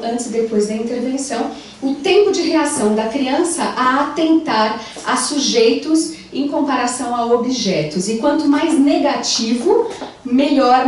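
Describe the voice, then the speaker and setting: A young adult woman with a Brazilian Portuguese accent, giving an animated conference lecture as a psychologist through a handheld mic. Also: on the high side, a little hiss or hum. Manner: animated, gestures while walking the stage. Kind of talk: conference talk. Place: large wood-panelled lecture room. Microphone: handheld mic, far camera. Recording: echoey room recorded from far off.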